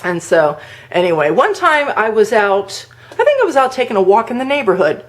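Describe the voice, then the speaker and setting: A woman's voice: a little high, big pitch swings, a little fast. A middle-aged woman vlogger casually telling a personal story, chatty and laughing often. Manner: chatty, laughs often, acts out quoted voices.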